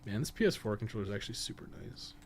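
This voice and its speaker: A podcast co-host and game streamer gives casual, unscripted gameplay commentary, rambling, self-deprecating, and swearing mildly as he thinks aloud. His lowish voice is very animated and very fast, over a clearly noisy background.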